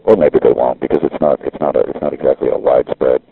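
Leaving a message from a street payphone, a man with an extremely low, flat voice wanders through a casual monologue. The line makes him sound narrow and tinny, though there's no echo, and his creaky, breathy voice keeps stopping and starting over.

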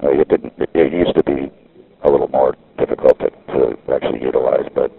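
A man's voice: extremely low pitch, steady tone, gravelly, husky, phone-quality sound. A man on a street payphone, rambling in a casual monologue and restarting his sentences often, heard through a payphone line. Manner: halting, with frequent restarts. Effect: talking over a payphone line. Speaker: caller recording a phone message.

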